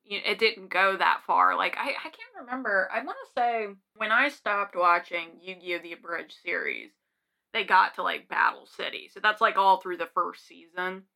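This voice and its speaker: A woman's voice: medium pitch, gravelly, bright, forceful tone. A young woman co-hosting a podcast in casual, rambling chat with giggly asides. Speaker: podcast co-host.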